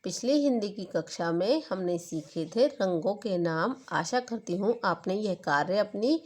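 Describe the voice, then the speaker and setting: A woman's voice: mid-range voice, animated, a little mellow. A woman teaching a kindergarten class online, speaking to young children and drawing out sounds to show how they are said. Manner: slow, stretched-out demonstration of vowel sounds.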